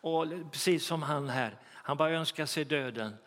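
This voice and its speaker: A man preaching a sermon in a fervent manner, rising to loud exclamations. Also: on the high side. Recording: reverberant hall.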